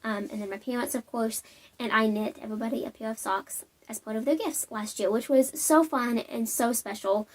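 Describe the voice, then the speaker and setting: A woman's voice: a little high, normal speed. A young woman hosting a knitting podcast, chatting casually and bubbly to camera from home, with lots of "um"s and tangents.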